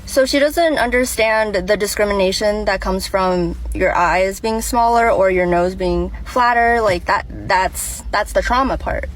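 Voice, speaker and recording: A woman's voice: medium pitch, a little slow, few pauses, rough recording. A woman from China giving an earnest, casual explanation to camera in a short social video, with frequent fillers. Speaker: TikTok creator.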